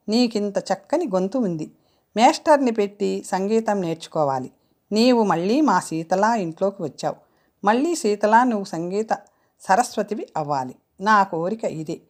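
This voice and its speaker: A cheerful young man, caring and teasing, read by a woman storyteller. He coaxes lightly and warmly in a natural middle-range voice. This is a storybook audiobook read. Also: medium pitch, lightly acted. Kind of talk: audiobook character reading.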